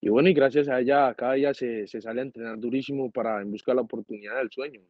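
A man's voice: medium pitch, steady tone, racing, dry recording. Young Colombian man on a dull video call. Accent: Colombian Spanish. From Cali, Colombia. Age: 20s. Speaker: guest footballer. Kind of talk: casual interview answers.

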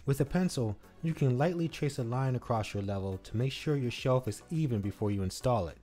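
A man walks through a DIY project step by step in a scripted voice-over. His voice sits at an ordinary middle pitch, instructive and even. Faint background music plays under him. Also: a little fast. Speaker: DIY channel co-host.

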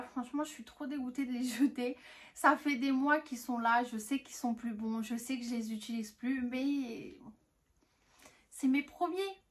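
A young woman reviewing used-up beauty products in a casual, frank chat. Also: on the high side. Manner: chatty, frank, lots of "honnêtement" and "franchement". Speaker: beauty vlogger.

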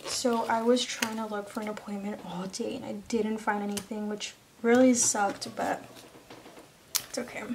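A young woman, a planner vlogger, chatting casually as she narrates her week, now and then dropping into soft whispers. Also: medium pitch, steady tone, moderate pace, gravelly. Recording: background noise.

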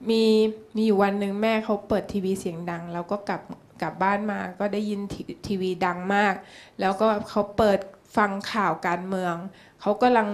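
A woman telling a personal faith testimony in a chatty, animated way, with asides and restarts. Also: mid-range voice. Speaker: church member giving testimony.

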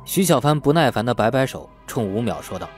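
A man's voice: medium pitch, very animated, a little fast, faint music behind. A man narrating a novel in a scripted audiobook style.

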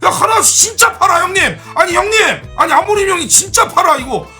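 A man live-streaming a football watch-along, blunt and excitable, yelling and swearing at the plays. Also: extremely high pitch, brisk, faint music behind. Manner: excitable, shouts and yells at plays.

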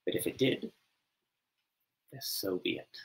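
A man in his fifties, a minister, talking to his congregation from home and then reading a short scripture in a soft, unhurried way with many fillers. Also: a little hiss or hum. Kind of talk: reflective talk and scripture reading. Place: home room, indoors. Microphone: webcam at desk distance.

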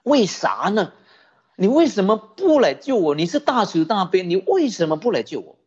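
A man's voice: high-pitched, big pitch swings, normal speed, breathy edge, lo-fi sound, pitched above the performer's own voice, heavily acted. A Buddhist preacher voicing a suffering sick man who pleads again and again to be rescued. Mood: anguished pleading. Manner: desperate, repeated pleading questions.

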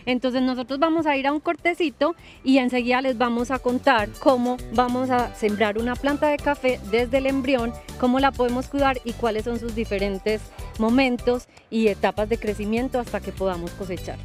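A young woman hosting a TV gardening show, talking calmly outdoors in a garden with a few fillers. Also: fairly high pitch, moderate pace, faint music behind. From Colombia. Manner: calm, explanatory, with fillers. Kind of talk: relaxed TV show conversation.

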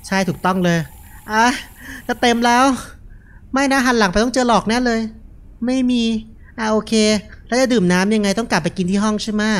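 A young man gives casual, joking horror game commentary, relaxed and unafraid, speaking into a headset mic. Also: high-pitched. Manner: laid-back, joking, unafraid. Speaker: gaming video host.

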